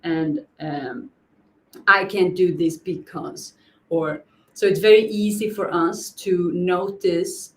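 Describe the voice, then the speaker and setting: Slow-talking woman, lowish voice, hesitant teacher searching for words, echoey room. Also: fairly even intonation. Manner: hesitant, many fillers and restarts, searching for words. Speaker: co-host of wellness masterclass. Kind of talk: unscripted live teaching talk.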